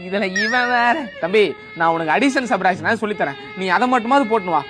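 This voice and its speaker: An exasperated man scolds and lectures in a comedy sketch. He talks fast, and clear background music plays under his voice. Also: high voice, animated. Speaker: tuition teacher and elder brother in comedy sketches. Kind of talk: scripted comedy sketch acting.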